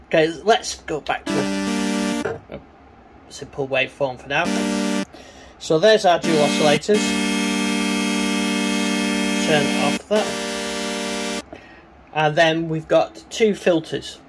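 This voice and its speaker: A man giving a casual, hands-on synthesizer demonstration, talking in a halting way as he works. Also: fairly high pitch, loud music behind the voice, low-quality recording. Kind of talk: casual hands-on gear demo commentary. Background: synthesizer tones.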